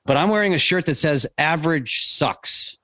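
A man hosts a podcast in a casual, conversational way. His voice is nasal and congested from a head cold, pitched a little higher than most men's, and recorded dry and close. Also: lively intonation, normal speed, sharp tone, no room sound. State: has a summer cold. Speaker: podcast host.

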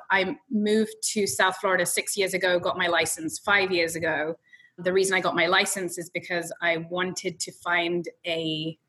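A woman from London, England, with an English accent softened by an American twang, a realtor chatting as an interview guest. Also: on the low side, poor audio. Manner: chatty, quick storytelling. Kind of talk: casual interview answers.

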